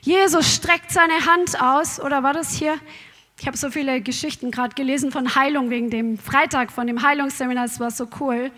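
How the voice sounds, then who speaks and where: Fervent woman preacher with a very high voice. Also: fairly even intonation, moderate pace. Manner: fervent, builds to loud exhortation. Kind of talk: charismatic sermon.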